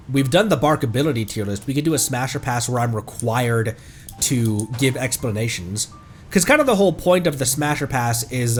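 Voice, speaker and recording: A man giving casual live gameplay commentary as a streamer, chatty and thinking aloud. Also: mid-range voice. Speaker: video game streamer. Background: faint game music.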